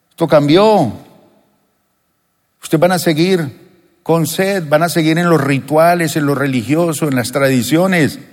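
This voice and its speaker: A male pastor preaching with emphasis, asking his congregation question after question. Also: a little high. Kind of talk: sermon. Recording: long reverb of a church hall.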